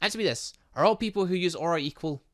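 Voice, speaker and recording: A man's voice: sits high, fast talker, dry recording, clean studio sound, natural voice. A man voicing an upbeat, easygoing young male personal trainer in a video game, instructive and encouraging. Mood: explaining.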